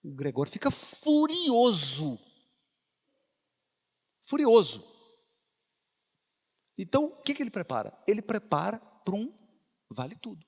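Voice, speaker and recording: A man delivers a lecture in an animated storytelling style, his fairly high voice rising and falling a lot. He keeps turning to the audience with questions. The sound carries a long reverb from a large hall. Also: normal speed, gravelly, husky. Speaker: spiritist lecturer.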